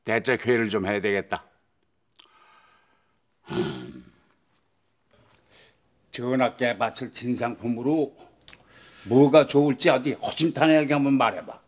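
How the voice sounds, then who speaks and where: A husky, lively voice plays a scheming county magistrate in a period sitcom. He scolds and orders his staff around. His pitch swings widely. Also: a little slow, pauses often. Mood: bossy. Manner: gruff, scolding, commanding.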